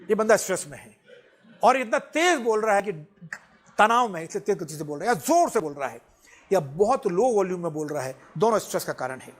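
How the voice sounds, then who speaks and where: A middle-aged man lectures students with lively, animated delivery, often chuckling as he talks. His voice sits noticeably high for a man, and he drops English phrases freely into his talk. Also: fairly quick.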